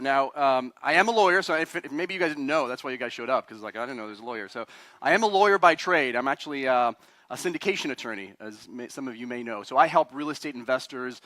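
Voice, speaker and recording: A man's voice: mid-range voice, bright, forceful tone, dry recording. A man in his forties from Chile, an attorney giving a live talk to a meetup audience, chatty and self-deprecating, often quizzing the crowd. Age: 40s. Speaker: guest speaker, attorney.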